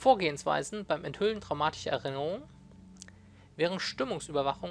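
Her intonation lively, a woman speaks. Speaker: let's play gamer. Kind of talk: gameplay commentary with reading game text aloud. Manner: hesitant, many filler sounds.

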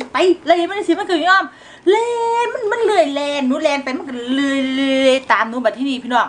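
A woman's voice with very wide pitch swings. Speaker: mukbang host. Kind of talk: casual vlog chat, storytelling. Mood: animated, dramatic storytelling. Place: home room.

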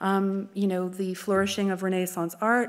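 A woman speaks at a medium pitch. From Canada. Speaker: art history lecturer. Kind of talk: lecture. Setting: stage with audience. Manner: hesitant with fillers.

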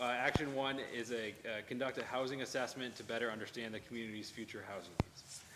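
A man mumbles at a fairly quick pace in a medium pitch, with audible room echo in the recording. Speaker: town planner. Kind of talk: reading aloud. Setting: town board meeting. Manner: mumbling.

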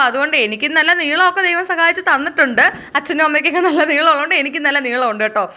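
A woman projects her voice at a high pitch with a bright, sharp tone. Her pitch varies in an ordinary way. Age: 20s. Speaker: vlogger, housewife. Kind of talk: casual vlog narration.

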